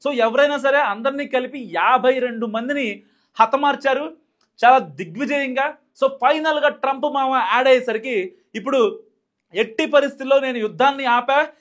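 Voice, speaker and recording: A man with a Telugu accent delivers fast, emphatic political news commentary, full of fillers and restarts. His voice is very high and his tone fairly bright.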